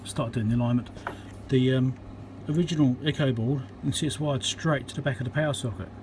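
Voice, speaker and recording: A man with a mid-range, darkish-toned voice speaks briskly while slight background noise plays underneath. He repairs electronics and, with a New Zealand accent, gives a casual, unscripted, matter-of-fact walkthrough at his indoor bench.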